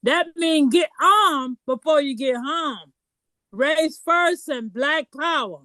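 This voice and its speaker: A woman's voice: sits high, lively intonation, slow, pushed and bright, dry recording. A woman on a group voice call whose connection breaks up. She speaks with fiery, slogan-driven urgency, stumbling and restarting as she calls people to act. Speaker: meeting member sharing. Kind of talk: impassioned call to action. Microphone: remote call mic.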